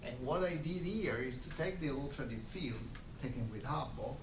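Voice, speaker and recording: A man gives a scientific colloquium lecture in a medium-pitched voice. His explanations are halting, with repeated words. The recording is reverberant and distant, with clear background noise. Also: animated. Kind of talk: academic lecture with slides. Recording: roomy, noisy lecture recording from far off.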